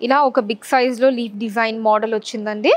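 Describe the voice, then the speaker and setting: A woman's voice: a little high, steady tone, fast. A young woman presenting sarees in a showroom, politely listing colors, designs and prices. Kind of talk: product showcase. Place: large saree showroom, indoors.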